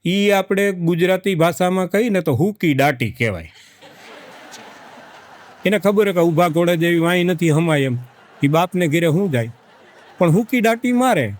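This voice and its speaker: A man spins a folksy comic tale about village life. His voice sits high, and he repeats words for rhythm as he acts out each character. The recording is dry and close. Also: no room sound. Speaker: comedic storyteller. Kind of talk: folk joke storytelling to a live audience.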